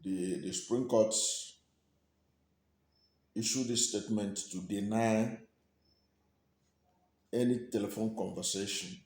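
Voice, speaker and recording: A Nigerian man giving news commentary and reading out statements in deliberate, short emphatic phrases. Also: on the low side, steady tone, darkish tone. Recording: echoey room.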